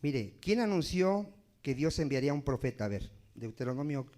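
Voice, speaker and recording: A man's voice: mid-range voice, expressive, normal speed, a little mellow. A man preaching a sermon as pastor in a church, emphatic and asking the congregation questions.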